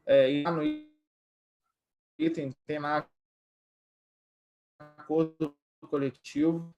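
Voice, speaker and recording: High-voiced man on a breaking-up call line. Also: fairly even intonation, takes it slowly, a little mellow, highs cut off. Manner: hesitant, restarting with fillers. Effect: broken-up audio dropping out on an online call. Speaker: union representative. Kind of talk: explaining and reading a contract clause on a live online call. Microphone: video call.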